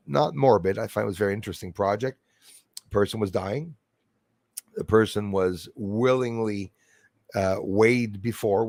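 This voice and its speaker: A man's voice: lowish voice, dry recording. A man hosting a livestream, talking casually to his chat in a meandering way, repeating himself and chuckling between thoughts. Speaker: livestream host reading chat. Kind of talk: rambling casual livestream talk.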